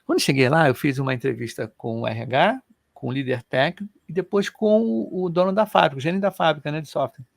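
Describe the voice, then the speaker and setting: Middle-aged guy, gravelly voice, kinda high, telling his story all animated and loose. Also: brisk, no room sound, studio quality. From Brazil. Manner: animated, colloquial, emotional storyteller. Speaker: co-host. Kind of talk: personal storytelling in casual chat.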